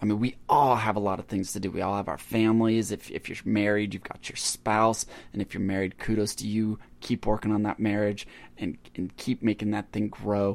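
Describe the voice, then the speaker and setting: A man talks at a fairly quick pace with a fairly low pitch and a slight Southern US accent. His intonation is monotone and flat, in a very clean recording with a silent background. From Pennsylvania, US. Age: 40s. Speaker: podcast host. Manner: rambling, self-correcting, conversational; warm, laughs often.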